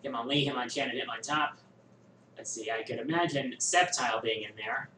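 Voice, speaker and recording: A man hosting a viewer question show, musing and thinking aloud with many pauses in casual chat. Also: mid-range voice, pushed and bright, distant mic, a little hiss or hum. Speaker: host answering viewer questions. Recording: echoey room, voice a bit off-mic, faint ambience.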